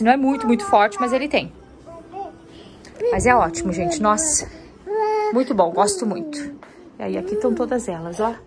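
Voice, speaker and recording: A woman with a Brazilian Portuguese accent, chatting casually to viewers as she does housework at home. She often breaks into fond baby talk with her daughter. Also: fairly high pitch. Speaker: homemaker vlogger. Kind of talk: casual chat to viewers while doing chores. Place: at home, indoors.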